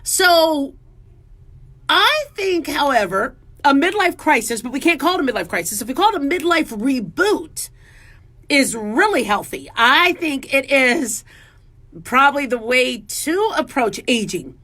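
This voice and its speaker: A woman in her forties hosts a radio show with a high, bright voice. She talks in a chatty, self-mocking way, full of jokes. The sound is a close studio microphone. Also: big pitch swings, a little slow. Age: 40s. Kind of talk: casual talk radio monologue.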